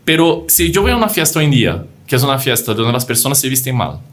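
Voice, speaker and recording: A man's voice: medium pitch, very animated, fast talker, fairly bright tone. Non-native Spanish-speaking man explaining doctrine. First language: not Spanish. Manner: explains with examples and acted-out quotes, frequent restarts. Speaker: podcast co-host. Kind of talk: religious podcast discussion.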